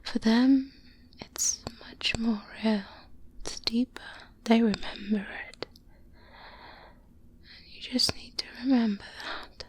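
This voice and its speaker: A woman playing a seasoned vampire hunter, a calm and protective mentor, in a soft-spoken ASMR roleplay, hushed and breathy, close to the microphone. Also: fairly high pitch, slight background noise. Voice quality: breathy, whispery. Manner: slow, deliberate, hushed, with long pauses. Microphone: close-up binaural microphone.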